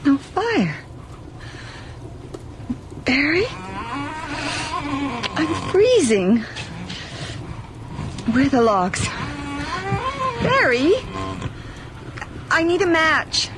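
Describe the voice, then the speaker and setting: A woman's voice: sits high, big pitch swings, drawn-out words, long pauses, background noise, full character voice. An actress playing a freezing, frightened young woman lost in the snow, angry and pleading, in an old-time radio ghost drama. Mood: cold, uneasy. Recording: old radio drama with loud music underneath.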